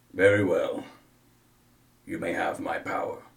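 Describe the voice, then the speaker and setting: In a put-on character voice, a man talks at a moderate pace. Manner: ominous.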